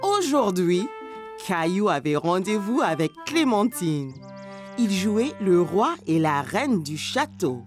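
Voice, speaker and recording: A woman reading scripted narration for young children in a gentle storybook manner. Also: medium pitch, sing-song, slow, soft background music.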